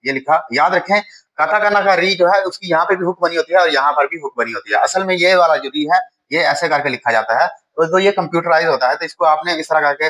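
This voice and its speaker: A man's voice: a little high, fairly quick, pushed and bright, low-quality recording. A man with a Pakistani Urdu accent, teaching a Japanese writing lesson at a whiteboard, patient and step by step.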